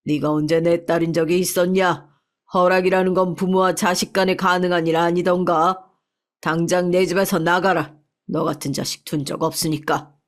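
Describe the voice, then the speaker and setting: A woman's voice: on the low side, level tone, normal speed, lightly acted. A woman voicing a stern parent who coldly scolds and disowns a grown daughter in a told story. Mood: contemptuous. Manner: icy, scornful scolding.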